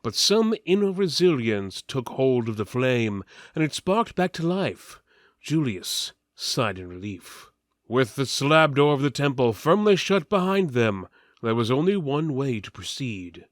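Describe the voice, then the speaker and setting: Male narrator for mock-epic fantasy, theatrical and solemn, very varied pitch, dry close sound. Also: sing-song, a little slow, dry recording.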